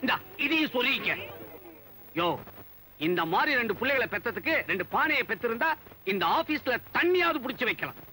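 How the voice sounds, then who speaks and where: A man's voice: extremely high pitch, expressive, fairly quick, pushed and bright, slight background noise, full character voice, low-quality recording. An actor playing a blustering male office general manager who scolds and mocks his staff, in a 1980s Tamil film comedy. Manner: scolding, bossy, sarcastic.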